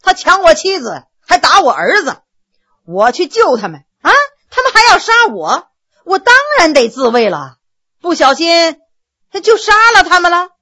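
A woman's voice: extremely high pitch, very animated, moderate pace, voice pushed up, heavily acted. A woman voicing a brash, mocking male general who teases and laughs at his judges in a spoken storytelling. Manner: teasing, laughing, loud outbursts.

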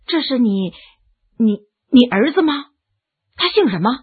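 A woman voicing a calm, kindly gentleman who talks in a gentle, measured, husky voice. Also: a little high, phone-quality sound, full character voice.

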